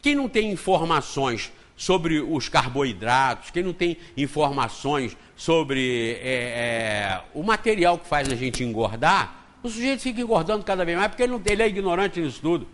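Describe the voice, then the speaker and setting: A Brazilian man lectures at a spiritist center, slightly high-voiced and very lively in his pitch. He talks in an easy, joking way and slips into acted-out exchanges to make his point. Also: moderate pace, hardly any pauses. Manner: conversational and joking, acts out dialogue. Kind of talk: spiritist lecture with homely anecdotes.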